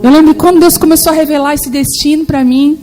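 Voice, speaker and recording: A Brazilian woman in her forties preaching a sermon with lively, animated storytelling in which she acts out the voices she quotes. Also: sits high, fast talker, faint music behind, rough recording. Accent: Brazilian Portuguese.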